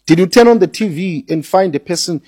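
High, husky man teaching. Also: expressive, brisk, a little mellow, no echo, clean studio sound. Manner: repeats words while building points, mixes in Zulu. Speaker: radio guest teaching spirituality. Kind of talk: earnest teaching talk on radio.

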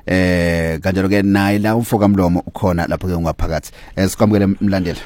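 A South African radio presenter with a low, mellow voice reads the station ident and time, then welcomes his guest. He pauses often with "eh", and the sound is close and dry. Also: steady tone, no room sound. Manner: quick station idents and listener welcomes, hesitating with "eh".

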